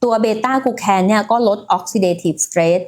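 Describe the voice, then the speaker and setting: Speaking at a measured pace, this woman has a mid-range, somewhat dark voice. On her casual health livestream she's chatty, leans on lots of filler words, and addresses the people watching head-on.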